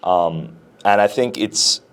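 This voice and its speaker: A man's voice: fairly low pitch, slow, smooth. A man in his twenties from Iran, with a slight Iranian Armenian accent, talking easygoingly as a podcast guest. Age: 20s. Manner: easygoing, many "like" fillers. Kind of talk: casual podcast chat.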